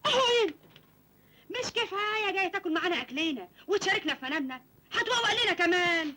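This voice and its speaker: An actress with an Egyptian accent playing a stingy, sharp-tongued middle-aged wife who nags and scolds. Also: female voice, very high voice, expressive, quick pace, heavily acted. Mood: scolding. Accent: Egyptian Arabic. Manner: nagging, scolding.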